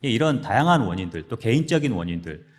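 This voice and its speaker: A man, a pastor, giving a church marriage seminar talk and telling stories with animated swings of voice. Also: on the low side, fast. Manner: lively storytelling, acting out quarrels with sudden loud lines. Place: church hall. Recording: reverberant hall.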